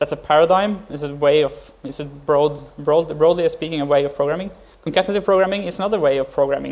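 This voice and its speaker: A man with a fairly high pitch, fairly even intonation and a very fast pace. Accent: Norwegian. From Norway. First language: Norwegian. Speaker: conference speaker, front-end programmer. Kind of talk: conference talk. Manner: hesitant, many fillers.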